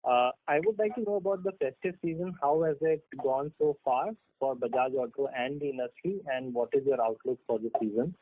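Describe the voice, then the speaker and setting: A man's voice: medium pitch, brisk, hardly any pauses, slight background noise. A man politely asking a question as an analyst on an earnings call. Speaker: financial analyst caller. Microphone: phone call. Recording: dry, tinny phone line.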